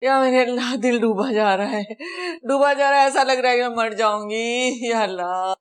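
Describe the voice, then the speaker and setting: A woman's voice: a little high, normal speed, clear, resonant tone, lightly acted. A woman with a Pakistani Urdu accent playing a melodramatic older mother-in-law who fakes illness and complains constantly. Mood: complaining. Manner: wailing, complaining, dramatic.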